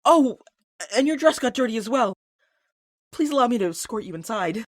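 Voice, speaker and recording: A woman's voice: fairly high pitch, lively intonation, moderate pace, no echo, studio quality. A woman playing a formal, polite attendant at a royal court in a fantasy audio drama. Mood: solicitous.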